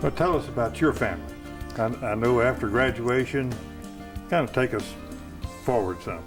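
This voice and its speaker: A man speaks with very wide pitch swings and long, frequent pauses. Music is playing behind him. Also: medium pitch for a man, moderate pace. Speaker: former school superintendent. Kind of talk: interviewer questions.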